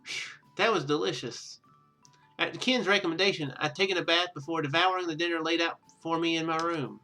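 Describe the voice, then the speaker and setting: A man with a fairly high, bright and forceful voice reads a visual novel aloud over clear background music. He mixes narration with casual commentary, often tripping on a line and correcting himself. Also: a little fast, low-quality recording. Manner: stumbles over read lines and corrects himself. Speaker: gaming video host.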